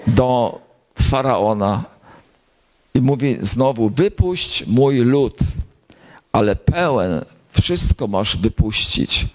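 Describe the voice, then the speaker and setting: Man, priest, older, sermon, slow delivery, storytelling, sudden high emphasis. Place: gathering of bible circles.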